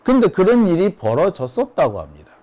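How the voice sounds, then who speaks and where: A man's voice: sits high, sing-song, a little fast, mellow. A man hosting a solo political commentary, speaking emphatically and asking rhetorical questions. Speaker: host of a political commentary channel.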